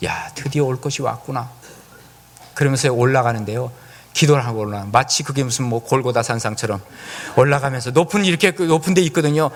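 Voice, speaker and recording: A male pastor preaching in a church, telling a lively personal story and asking the congregation questions. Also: mid-range voice, fast talker. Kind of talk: sermon.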